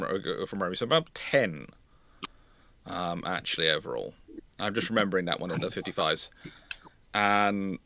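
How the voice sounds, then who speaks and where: A man's voice: fairly low pitch, sharp tone, no echo. A man hosting an unscripted expert discussion of naval ships, often correcting himself and repeating points for emphasis. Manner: hesitant self-correcting, emphatic repetition. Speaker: host.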